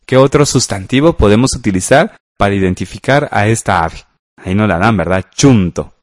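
A man leads a radio language class, patient and unhurried, often checking that listeners follow. His voice sits fairly low. The sound is dry and close. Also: expressive, no echo. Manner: patient, slow, asks "¿verdad?" often. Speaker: radio teacher. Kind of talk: radio school lesson.

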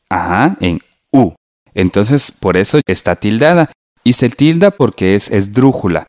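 A man teaching a radio lesson in a slow, patient way, spelling out syllables. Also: medium pitch, darkish tone, no room sound, clean studio sound.

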